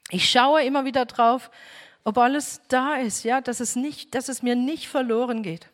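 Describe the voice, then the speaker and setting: A woman's voice: high voice, fairly even intonation, moderate pace, in a large hall. A woman teaching a home bible group, speaking earnestly and addressing her listeners directly.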